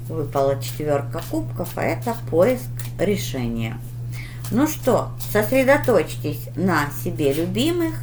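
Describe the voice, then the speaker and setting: A woman reading tarot for her viewers in a deliberate, instructive manner, with pauses and emphatic advice. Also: lowish voice, a little hiss or hum. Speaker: tarot reader hosting her channel.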